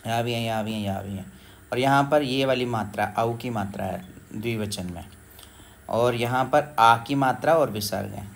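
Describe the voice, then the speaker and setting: A man teaching a school Sanskrit lesson, patiently repeating words slowly and checking in with his listeners. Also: mid-range voice, creaky, a little hiss or hum. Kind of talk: explaining a school textbook lesson.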